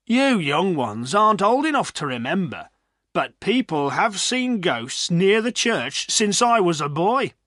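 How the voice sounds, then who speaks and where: A man's voice: high voice, sing-song, a little slow, fairly bright tone, no echo, clean studio sound, voice pushed up, heavily acted. A man voicing an old villager who insists on what he remembers. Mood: insistent. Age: older.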